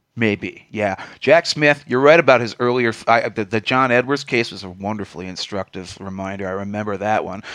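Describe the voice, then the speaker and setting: A man speaks at a fairly quick pace with hardly any pauses, in a fairly low pitch with ordinary pitch variation. It is a plain, everyday voice. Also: big swings in loudness. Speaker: political commentator. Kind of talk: casual panel discussion.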